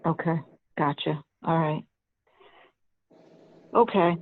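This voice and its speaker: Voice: mid-range voice, fairly even intonation, takes it slowly. A committee chair who talks hesitantly in a meeting, with many restarts and repeated okays. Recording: tinny phone line.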